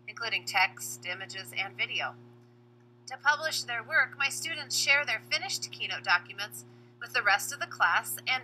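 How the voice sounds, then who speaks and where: An American woman teacher giving a spoken software tutorial for a webinar, explaining step by step. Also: mid-range voice, a little hiss or hum, low-quality recording. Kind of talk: spoken software tutorial over screen demonstration.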